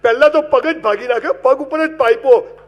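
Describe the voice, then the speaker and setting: A man's voice: very high-pitched, normal speed. A man giving a humorous motivational speech, telling comic stories and speaking straight to his audience with advice. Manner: animated comic storytelling with wide swings in loudness; addresses the audience directly and gives advice.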